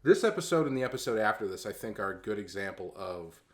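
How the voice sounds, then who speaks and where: A man co-hosting a podcast in casual chat, talking in a relaxed, hesitant way with many restarts. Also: lowish voice, quick pace. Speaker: co-host.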